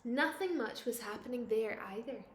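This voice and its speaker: A woman reads a children's picture book aloud like a teacher at storytime, expressive and playful. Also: a little high, normal speed, echoey room, a little hiss or hum. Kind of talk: animated children's storytime reading.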